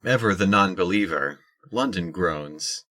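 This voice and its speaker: A man's voice: deep voice, lively intonation, unhurried, bright, forceful tone. A man reading scripted narration for an audio drama.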